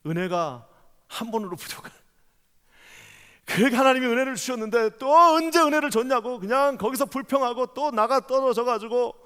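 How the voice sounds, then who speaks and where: A male pastor with a fairly high voice delivers a Sunday sermon. He swings between ringing proclamations and quiet, intimate questions to the congregation. The sound carries a long reverb from the sanctuary. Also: lively intonation, brisk, clear, resonant tone. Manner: swings from loud proclaiming to hushed, rhetorical questions. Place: church sanctuary.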